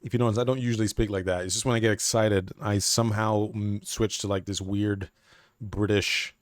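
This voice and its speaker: A man with a hoarse, tiring voice, chatting casually as he comments on a shooter match. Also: on the low side, level tone, a little fast, no room sound, clean studio sound. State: voice getting hoarse. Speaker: gameplay commentator.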